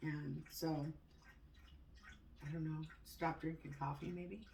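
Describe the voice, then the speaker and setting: A woman talks at a fairly slow pace. Her pitch is very deep and low. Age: 50s. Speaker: vlogger. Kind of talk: casual chat. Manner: halting.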